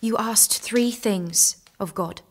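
An actress playing an earnest, bold and devout young peasant maiden in an audio drama. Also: female voice, mid-range voice, slow, a little hiss or hum. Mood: solemn, assured.

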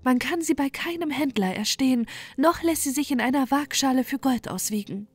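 A woman voicing a small, earnest female nightingale with a high, yearning voice, over faint soft music. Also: moderate pace. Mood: earnest wonder.

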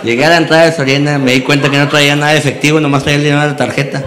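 A man's voice: a little high, flat delivery, very fast, a crowd in the background. A man with a Mexican accent doing a stand-up comedy monologue, brash and slangy, acting out his story. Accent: Mexican Spanish. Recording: echoey room with background noise.

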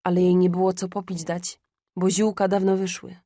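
A woman narrating an audiobook of a classic story in a measured, expressive way. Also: fairly low pitch, no room sound, clean studio sound.

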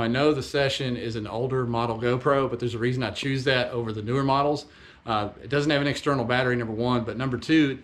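A man, casually explaining a camera setup in a relaxed, conversational way with frequent fillers, recorded on a camera mic in a home garage. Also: medium pitch. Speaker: fishing channel host. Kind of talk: casual how-to vlog. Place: home garage workshop, indoors.

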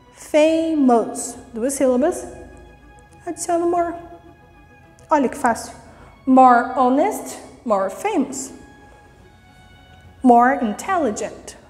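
A woman teaching English grammar in a recorded online lesson, lively and encouraging, reading rules slowly and then explaining them. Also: sits high, long reverb tail. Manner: lively and encouraging, repeating "vamos lá" and "ok?".

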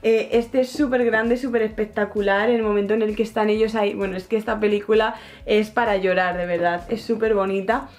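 A young woman excitedly chatting through an unboxing, gushing and repeating herself as she squeals with delight. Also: mid-range voice, fairly quick. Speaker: book and collectibles vlogger. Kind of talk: excited casual unboxing chat.

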